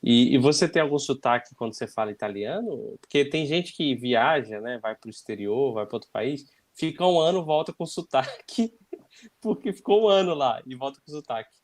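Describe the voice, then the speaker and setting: Relaxed man hosting a live chat. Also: medium pitch, normal speed. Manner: relaxed, asks follow-up questions, laughs. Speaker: live-stream host. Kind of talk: casual interview, reading viewer comments.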